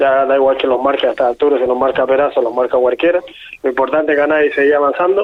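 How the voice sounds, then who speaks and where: A man's voice of medium pitch. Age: 30s. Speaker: footballer. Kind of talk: radio interview.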